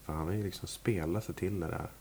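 A man's voice: sits low, fairly even intonation, gravelly, a little mellow, slight background noise. A man, a musician, talking casually in an interview, rambling with many fillers and restarts. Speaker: musician guest. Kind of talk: relaxed interview talk.

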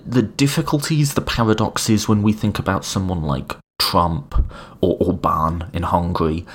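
A man's voice: on the low side, husky. A man hosting a podcast, explaining political philosophy in a conversational lecturing way with wry asides. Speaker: podcast host.

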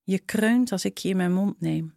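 A woman narrating a short story in a slow, intimate reading style. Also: mid-range voice, creaky, a little mellow, dry recording, clean studio sound. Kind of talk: scripted storytelling.

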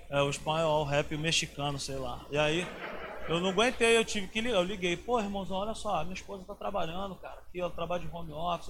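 A man's voice: sits high, fairly bright tone, a little hiss or hum. A man from Rio, a pastor preaching an informal sermon in a colloquial, slangy storytelling manner with dramatic swings.

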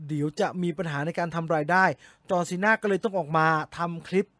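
A man hosting a casual movie news recap, chatty and given to sudden excited exclamations. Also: a little high, fast talker, dry recording, clean studio sound. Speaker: movie news show host.

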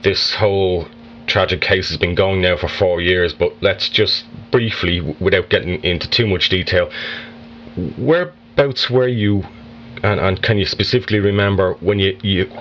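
A man hosting an interview, asking questions in a halting way full of fillers and restarts. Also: deep voice, fairly bright tone, dull audio, slight background noise. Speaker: podcast host.

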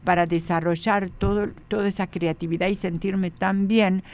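A woman's voice: medium pitch, steady tone, normal speed, darkish tone. A woman psychologist talking as a radio guest in a studio, rambling with restarts. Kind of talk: radio interview.

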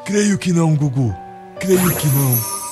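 Man playing a high-pitched, weary, grumpy Santa Claus. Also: lively intonation, measured pace. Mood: grave, resigned. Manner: solemn, sardonic. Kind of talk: comedic radio drama acting. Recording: loud music behind the voice. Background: music.

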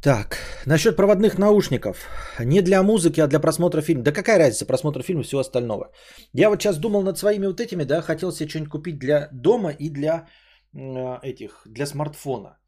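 Mellow-voiced man chatting casually. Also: on the high side, lively intonation, a little fast, slightly rough. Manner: rambling, explanatory, many fillers. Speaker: podcast host reading donations. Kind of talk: casual live-stream chat.

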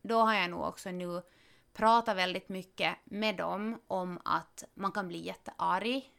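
Chatty mother, creaky voice. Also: on the low side. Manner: chatty, animated storytelling with quick asides. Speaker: parent of three expecting a fourth. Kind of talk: casual podcast conversation.

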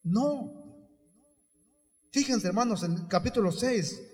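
A man preaching a sermon to his congregation, retelling a story with acted quotes, calling them brothers again and again, and building up to shouts. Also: sits high, lively intonation, slow pace. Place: church. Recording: echoey hall with long reverb.

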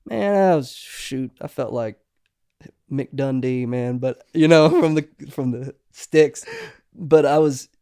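Middle-aged guy rambling bout music life, lots of "you know", mellow tone. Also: mid-range voice, slow pace, clear, resonant tone, no echo, studio quality. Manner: rambling, restarts often, says "you know" a lot. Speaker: songwriter guest. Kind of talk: casual podcast conversation.

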